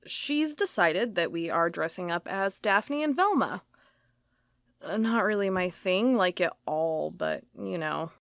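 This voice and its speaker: A woman's voice: lowish voice, lively intonation, a little slow, creaky, dry recording, clean studio sound. A woman playing a wry young office worker in an audio drama, talking casually and reading aloud in a conversational way. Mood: dry, casual.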